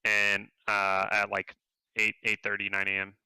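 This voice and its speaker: A man, a game developer, telling work stories in a casual interview, animated and jumping up in pitch when he quotes people. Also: measured pace, clear, resonant tone, dry recording, poor audio. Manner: animated, acts out quotes in a higher voice.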